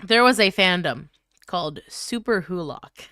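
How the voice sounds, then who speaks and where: A woman co-hosting a livestream in casual chat. Her voice is bright and swings widely in pitch, with a dry, room-free sound. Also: expressive, unhurried, dry recording.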